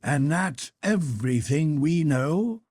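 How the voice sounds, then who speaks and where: Audiobook role: burly, jovial Canadian whaler played by a male reader, folksy skeptic, very husky voice. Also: a little high, expressive, slow pace, a little mellow, dry recording, voice pushed up, exaggerated voice. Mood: skeptical. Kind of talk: audiobook character dialogue.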